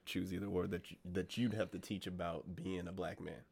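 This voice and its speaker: A man's voice: deep voice, steady tone, brisk, gravelly, a little mellow, slightly rough. A young man moderating a casual chat, steering it with probing follow-up questions. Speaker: podcast host, moderator.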